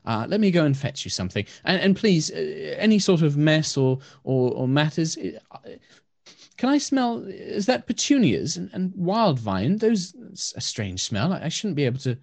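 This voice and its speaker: A man putting on a soft-voiced blind elf sister. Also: a little high, very animated, normal speed, no echo, pitched above the performer's own voice, heavily acted. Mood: welcoming. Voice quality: soft, breathy. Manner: kindly, hesitant, stammering. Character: gentle blind wood elf woman, temple sister.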